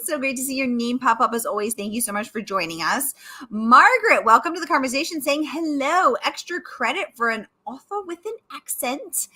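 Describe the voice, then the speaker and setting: A woman's voice: fairly high pitch, sharp tone. A woman hosting a live online book event, bubbly and enthusiastic as she greets viewers and asks questions. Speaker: host. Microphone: video call.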